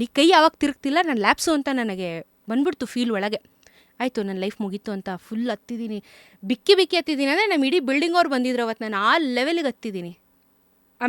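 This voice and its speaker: A woman guest speaks in a fairly high voice, telling her story candidly and with animated detail. The sound is close and dry, with no room echo. Her delivery is casual and conversational, as in a sit-down interview. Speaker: moto vlogger, interview guest.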